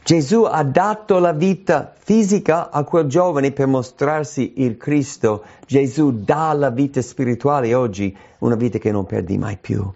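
Guy preaching a sermon, earnest and emphatic, gravelly voice, kinda muffled lo-fi audio. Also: mid-range voice, a little mellow. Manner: earnest, emphatic, slowing on key phrases. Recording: dull lo-fi sound.

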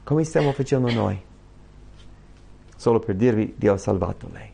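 Gravelly-voiced male preacher. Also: fairly low pitch, expressive, normal speed, dark tone, a little hiss or hum. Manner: earnest, emphatic, repeats key phrases. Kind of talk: sermon ending in prayer.

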